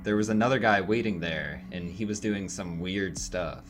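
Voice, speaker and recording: A young man playing a shaken, earnest young witness in an audio drama, hesitant, halting and casual. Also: low voice, music in the background, natural voice. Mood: uneasy recounting. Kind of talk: naturalistic audio drama acting.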